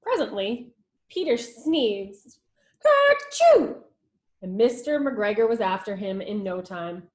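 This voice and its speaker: A woman's voice: medium pitch, unhurried, a little mellow. A woman teacher reading a children's storybook aloud expressively, with little asides about the pictures. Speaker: schoolteacher reading to her class.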